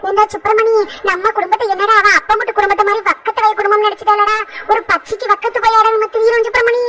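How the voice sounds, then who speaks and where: A very high, bright-toned village mother-in-law in a cartoon, as a voice actor puts her on. She rattles off scornful complaints in rural speech and wails dramatically, all at a quick clip. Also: little pitch movement. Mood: scolding. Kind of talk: cartoon voice acting.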